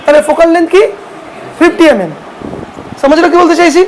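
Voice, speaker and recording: A woman's voice: very high-pitched, lively intonation, brisk, a little hiss or hum, rough recording. A woman teaching a photography class with a Bengali accent. She asks the students questions and then answers them herself. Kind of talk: classroom lesson.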